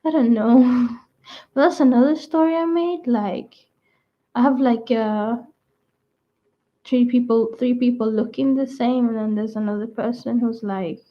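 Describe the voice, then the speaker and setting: A young adult woman rambling casually to her viewers, full of "like" and restarts, her voice croaky at times. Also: a little high, steady tone, measured pace, long pauses. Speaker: vlogger. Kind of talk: rambling casual chat to camera. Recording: dull lo-fi sound.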